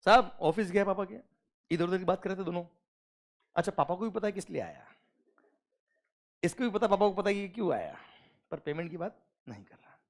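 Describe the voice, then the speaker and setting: Guy teaching in a classroom, high voice, super animated storytelling. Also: brisk, pauses often. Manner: animated storytelling, acting out dialogue.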